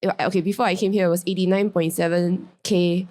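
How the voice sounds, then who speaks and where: A woman's voice: lowish voice, flat delivery, fast talker, darkish tone. A woman with a Singaporean accent, speaking as a guest on a business panel, chatty, with frequent restarts and self-corrections. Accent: Singaporean English. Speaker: guest, character brand founder. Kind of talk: panel discussion.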